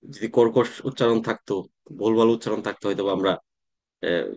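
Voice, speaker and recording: Man teaching a relaxed class. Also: fairly low pitch, brisk. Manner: conversational teaching with frequent "তাই না?" check-ins and hesitations. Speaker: tax exam coaching instructor. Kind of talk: online class lecture.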